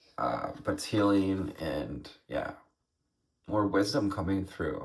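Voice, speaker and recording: A man talks at a very slow pace with vocal fry and ordinary pitch variation. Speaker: tarot reader. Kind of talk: tarot reading. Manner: halting.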